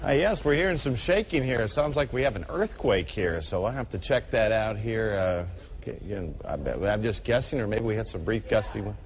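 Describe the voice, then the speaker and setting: Low-voiced weatherman, dull lo-fi audio. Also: expressive, fairly quick, creaky. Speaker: TV weather presenter. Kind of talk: live ad-libbed weather report. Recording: dull lo-fi audio with background noise.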